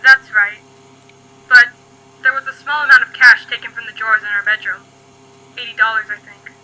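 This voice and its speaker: A woman's voice: on the high side, fairly even intonation, normal speed, bright, forceful tone, poor audio. A woman playing an anxious, distraught mother in an audio drama, hesitant and pleading in manner. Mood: shaken, hesitant. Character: distraught, anxious mother whose home was attacked.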